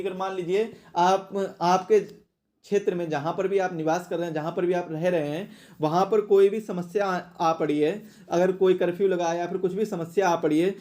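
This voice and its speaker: High-pitched man teaching. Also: a little mellow. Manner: explanatory, repeats phrases for emphasis. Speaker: exam coaching teacher. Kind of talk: question-and-answer exam lesson.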